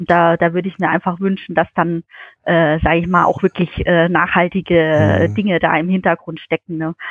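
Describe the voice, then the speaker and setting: Fairly quick speech comes in a monotone, flat intonation. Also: woman, fairly low pitch for a woman. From Germany, Kraichgau (Baden-Württemberg). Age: 30s. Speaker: sustainability consultant and business owner. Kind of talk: podcast interview.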